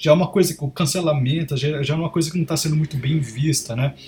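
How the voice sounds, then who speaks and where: This man speaks with fairly even intonation. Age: 30s. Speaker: podcast host. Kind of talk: solo monologue podcast. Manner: halting, many repetitions and fillers.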